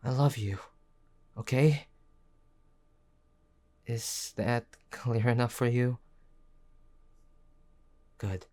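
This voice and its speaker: A man playing a gruff but tender tsundere boyfriend in an intimate audio roleplay, speaking in a halting, earnest way. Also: mid-range voice, warm tone. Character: gruff young tsundere boyfriend, worried, stubborn, tender underneath.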